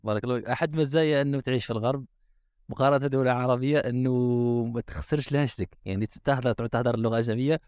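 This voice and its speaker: A man's voice: medium pitch, very fast, a little mellow, no room sound, studio quality. A man with an Algerian Arabic accent, co-hosting a casual podcast in a jokey, chatty way. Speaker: podcast co-host.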